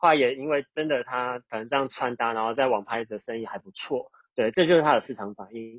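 A man talks at a fairly quick pace in an ordinary speaking voice. His pitch varies in an ordinary way, and his loudness swings widely. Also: medium pitch for a man. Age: 20s. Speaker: young entrepreneur and content creator. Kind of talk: casual interview.

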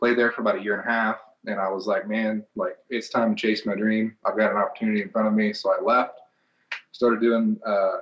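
A man's medium-pitched voice with a Tennessee accent, monotone and flat in intonation, at a fairly quick pace. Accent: Tennessee Southern US. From Knoxville, Tennessee, US South. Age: 20s. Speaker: monster truck driver. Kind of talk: interview. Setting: phone call.

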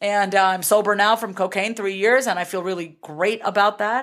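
This woman has a medium pitch. Her intonation stays fairly even. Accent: New York. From New York, US. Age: 30s. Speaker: self-expression coach. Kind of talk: casual interview.

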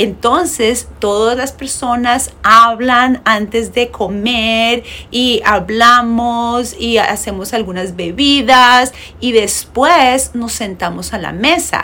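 Over noticeable background noise, a woman with a fairly high pitch and ordinary pitch variation speaks at a very slow pace. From Bogotá, Colombia. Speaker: Spanish teacher and podcast host. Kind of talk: casual chat.

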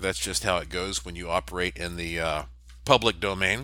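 The speaker has a bright, sharp tone with vocal fry and an animated tone, at a fairly quick pace. The recording is very clean with a silent background. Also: man. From US South, Asheville, North Carolina. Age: 40s. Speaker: podcast host and paranormal researcher. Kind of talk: solo podcast monologue. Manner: animated, with frequent stammers.

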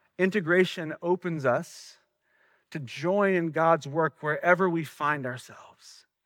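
A man speaks at a high pitch and a fairly slow pace, with fairly even intonation. The recording is very clean, with a silent background. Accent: Southern US. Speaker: senior pastor. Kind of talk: sermon. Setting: church.

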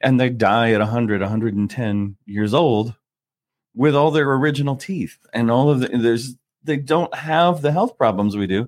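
Speaking at a moderate pace, a man uses a normal speaking voice at medium pitch with ordinary pitch variation. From Minnesota. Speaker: physician. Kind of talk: casual interview.

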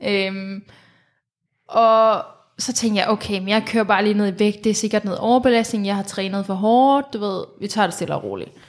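Here a woman talks at a medium pitch and a moderate pace. Her intonation stays fairly even. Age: 20s. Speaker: cancer survivor. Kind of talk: personal testimony interview. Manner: hesitant, many filler sounds.

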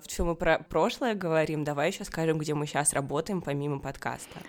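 A woman with an unremarkable speaking voice talks at a moderate pace and a fairly low pitch, with ordinary pitch variation and hardly any pauses. The recording is very clean, with a silent background. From Russia, Moscow. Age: 20s. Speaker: podcast co-host, data analyst. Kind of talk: casual chat.

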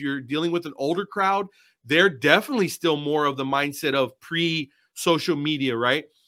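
A man's bright, sharp voice with an American accent at a moderate pace. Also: very clean recording, silent background. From Texas, San Antonio. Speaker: marketing and publishing consultant. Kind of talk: interview. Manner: halting.

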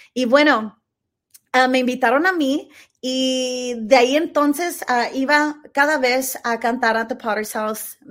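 At a very slow pace, a woman talks with a high pitch and fairly even intonation. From Texas, Fort Worth. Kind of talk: interview. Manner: halting.

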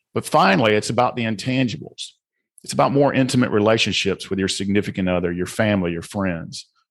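A man with a Southern US accent, fairly low-pitched, animated and energetic, at a very fast pace. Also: ordinary pitch variation. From US South. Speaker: author and speaker. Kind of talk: podcast interview, motivational talk. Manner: animated, energetic.

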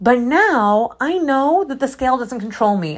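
In a slight upstate New York accent, the speaker sounds animated, with very wide pitch swings on a very clean recording with a silent background. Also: woman. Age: 30s. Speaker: fitness coach and podcast host. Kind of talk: solo podcast monologue, casual reflective talk. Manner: casual, chatty, animated.

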